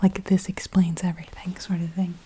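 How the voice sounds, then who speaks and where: A woman tells a personal story in soft-spoken, mostly whispered ASMR, breathy and informal, with a halting, confiding delivery. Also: fairly low pitch, level tone, a little hiss or hum. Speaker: ASMR video creator.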